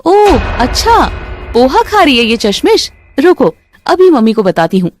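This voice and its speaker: A woman voicing a spoiled, taunting daughter-in-law who mocks loudly in a family drama. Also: sits high, very animated, a little slow, faint music behind. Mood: mocking.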